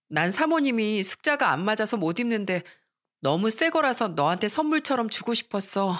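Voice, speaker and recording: A woman voicing a poor, gentle mother who speaks softly and apologetically, in a radio drama reading. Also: mid-range voice, lightly acted.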